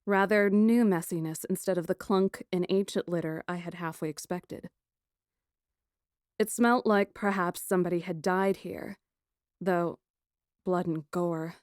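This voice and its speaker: A woman reading a first-person fantasy story as an audiobook narrator, dramatic and expressive. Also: on the low side, a little slow, no room sound, studio quality.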